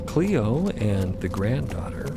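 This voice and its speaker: A man's voice: on the low side, very animated, takes it slowly, noisy background. A man narrating a scripted story in the present tense, with wry conversational asides. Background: prominent music.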